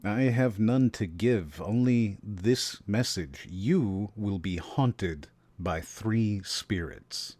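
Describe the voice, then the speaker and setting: A man playing the stern chained ghost of a ruthless businessman in an audio drama, speaking gravely and theatrically. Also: on the low side, animated, darkish tone, dry recording, exaggerated voice. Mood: grave, foreboding. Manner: grave, theatrical, slow and deliberate. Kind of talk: fan audio drama acting.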